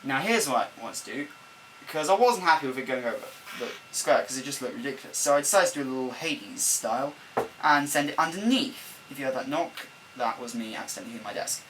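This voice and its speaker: A young man rambles and corrects himself mid-sentence as he talks through a game build, his mid-pitched voice caught on an old camcorder's built-in mic. A faint laptop fan hums underneath the whole time. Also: animated, quick pace, a bit bright, rough recording. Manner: rambling, self-correcting, chatty. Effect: recorded on an old camcorder microphone. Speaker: let's-play builder. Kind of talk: off-the-cuff game commentary voice-over. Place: at a desk at home. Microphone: camera microphone, not a desk mic. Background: faint laptop fan hum.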